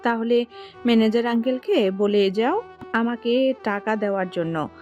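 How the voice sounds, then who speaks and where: An actress playing a spoiled young daughter, coaxing and whiny. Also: female voice, fairly high pitch, a little slow, a little mellow, dull audio, soft background music, natural voice.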